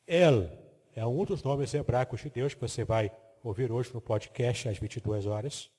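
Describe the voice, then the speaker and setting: A man teaching the Bible in a didactic way, his voice dark and husky. He explains each term step by step and checks that the listener follows. The sound carries a long reverb, as if recorded in a large hall. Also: medium pitch, moderate pace. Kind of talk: biblical teaching lecture with slides.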